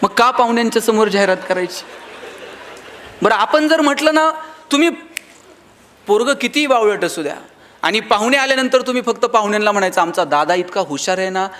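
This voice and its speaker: A man's voice: extremely high pitch, expressive, a little fast, pauses often, fairly bright tone. A man with a Marathi accent giving a motivational speech in a hall, telling stories and acting out dialogue in other voices. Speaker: motivational speaker.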